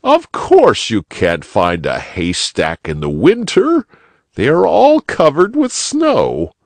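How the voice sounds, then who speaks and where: A man voicing a polite, kind old rabbit gentleman in a gentle, fussy way. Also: on the high side, wildly swooping pitch, slow, dry recording, pitched above the performer's own voice, heavily acted. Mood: kindly.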